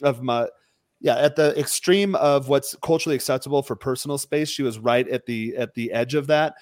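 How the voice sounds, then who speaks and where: Give me a dating coach man talking through his approach in a steady, lecturing tone, dry recording. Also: mid-range voice, a little fast, dry recording. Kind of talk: podcast conversation.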